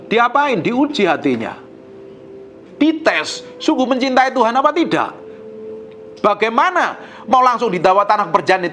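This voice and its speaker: Animated, high-voiced joking pastor. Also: male voice. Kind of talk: sermon.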